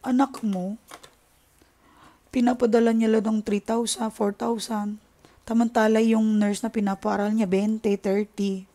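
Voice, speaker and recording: Impassioned Filipino woman, mellow voice. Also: a little high, level tone, a little slow. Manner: impassioned, indignant, switching between Tagalog and English. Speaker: tarot reader and channel host. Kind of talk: casual chat to viewers.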